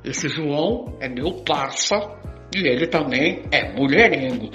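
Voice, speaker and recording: A man's voice: on the high side, lively intonation, a little slow, a bit bright. An older Brazilian man playing a boastful, romantic old womanizer in an amateur radio soap. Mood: wounded, boastful. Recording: muffled, echoey voice clip with faint music.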